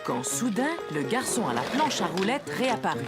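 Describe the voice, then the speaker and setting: A woman's voice: mid-range voice, normal speed, over loud music, lightly acted. A woman playing the kindly narrator of a children's cartoon, telling the story expressively in scripted French. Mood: storytelling. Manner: expressive, clearly told storytelling.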